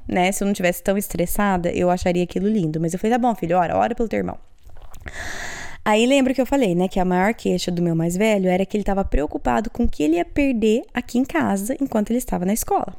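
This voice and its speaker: A woman in her thirties hosting a podcast, telling a family story in an animated way and acting out her children's high voices. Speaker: podcast host. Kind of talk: storytelling monologue.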